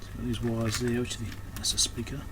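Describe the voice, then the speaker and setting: Male repairer, medium pitch, casual hands-on commentary, unscripted and trailing off, audible background noise. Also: completely flat delivery, fast. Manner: unscripted, thinking aloud, trailing off mid-thought. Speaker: electronics repairer and video host. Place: indoors at a repair workbench. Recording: clear background noise, room ambience.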